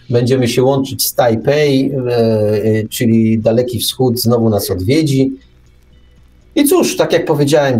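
A man's voice: medium pitch, a little mellow, rough recording. Male radio host, casual and chatty. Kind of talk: casual radio sign-off chat.

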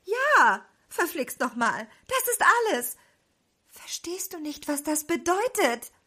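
An actress playing a small, feisty apple witch in a children's audio drama, husky and dramatic. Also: big pitch swings, takes it slowly, heavily acted. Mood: indignant. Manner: dramatic, shifting between hushed and shrill.

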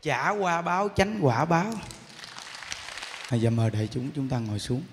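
A man's voice: mid-range voice, sing-song, normal speed, a little hiss or hum. A Buddhist monk preaching a live sermon in a temple hall and often addressing his listeners directly. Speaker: Buddhist monk giving a dharma talk.

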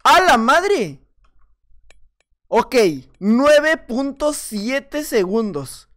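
Mexican man, gaming creator, talks through his own play in a loose, chatty way, laughs at himself. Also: very high-pitched. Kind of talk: casual gameplay commentary.

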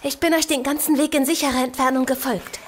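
A woman plays a plucky young girl, a loyal companion in a horror audio drama. Her very high voice is practical and matter-of-fact, over faint background noise. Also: fairly even intonation, fast, close to an everyday voice. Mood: determined, practical.

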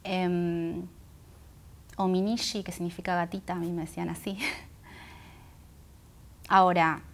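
A woman in her thirties with a Buenos Aires Argentine accent and Guaraní as her first language, reflecting thoughtfully in an interview, pausing between phrases, on a lapel mic. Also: fairly low pitch, level tone. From Argentina, Buenos Aires area. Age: 30s. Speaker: interview guest, singer and poet. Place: indoor auditorium stage. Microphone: clip-on lapel microphone.

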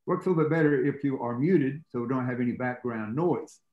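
An older man whose first language is Greek, giving a steady, measured talk as a tour guide and lecturer over a video call. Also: medium pitch, roomy sound, narrow, tinny audio. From United States.

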